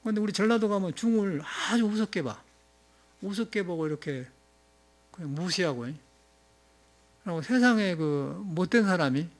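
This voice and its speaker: Chuckling Jeolla-accented monk, higher voice. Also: male voice. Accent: Jeolla Korean. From Jeolla, South Korea. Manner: rambling, conversational, frequent chuckles and filler sounds. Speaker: Buddhist monk giving a dharma talk. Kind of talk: informal sermon.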